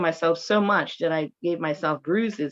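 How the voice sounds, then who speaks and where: A woman with a plain, everyday voice speaks at a fairly slow pace, her pitch fairly low. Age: 60s. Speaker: breast cancer survivor, retired medical office worker. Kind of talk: testimony.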